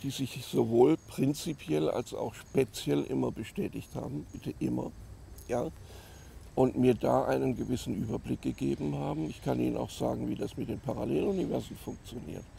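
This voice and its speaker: A man speaks at a moderate pace in a very deep, low voice with vocal fry, his pitch swinging very widely. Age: 60s. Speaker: interviewee, self-described scientist. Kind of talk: interview. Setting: outdoors in a park. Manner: hesitant, many filler sounds.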